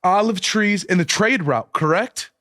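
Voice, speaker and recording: A man's voice: high-pitched, a bit bright, dry recording, clean studio sound. A man from the United States, speaking passionately as a guest musician in a casual podcast conversation and stressing his key points. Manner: passionate, drawn-out emphasis, says "dog" and "man".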